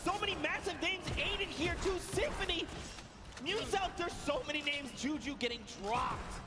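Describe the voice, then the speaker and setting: Male esports play-by-play caster, high voice, hyped, live broadcast with loud music underneath. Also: moderate pace. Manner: excited, rising to shouts at big plays. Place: live arena event.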